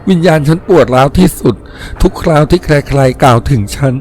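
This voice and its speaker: A man voicing a sorrowful young woman's ghost from long ago in a story, lamenting slowly and plaintively that she has been wronged. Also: medium pitch, warm tone, lightly acted. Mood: grieving, plaintive. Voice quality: faint, trembling voice.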